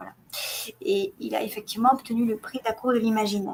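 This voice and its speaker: Against noticeable background noise, a woman with a high voice and a southern French accent speaks with ordinary pitch variation. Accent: southern French, singsong. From southern France, Aude and Pyrénées-Orientales. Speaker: novelist. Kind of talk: live video panel discussion. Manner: hesitant, many fillers.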